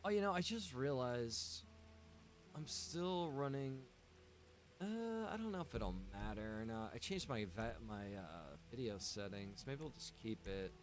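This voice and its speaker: A man talks to his stream viewers from a room at home, mid-pitched and easygoing. He rambles, stacking up "like" and "man" as he goes. A faint hiss sits under his voice. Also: expressive, unhurried. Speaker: livestreamer. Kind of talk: casual chat with stream viewers.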